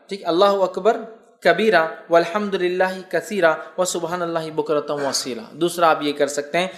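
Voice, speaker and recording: Man preaching in a fairly high voice. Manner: explanatory, repeats phrases and recites Arabic formulas slowly. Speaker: Islamic preacher. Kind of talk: sermon.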